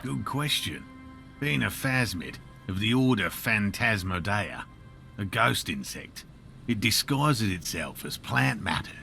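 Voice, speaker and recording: A gravelly, patient cryptid hunter. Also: male voice, lowish voice, expressive, measured pace, sharp tone, soft background music, full character voice. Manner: dry, slightly sarcastic and patient. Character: patient, diligent middle-aged male cryptid hunter.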